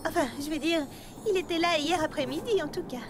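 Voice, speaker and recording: Fashion-loving animated girl: very high pitch, breezy yet fretful, music behind. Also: fairly quick. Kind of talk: animated children's cartoon dub.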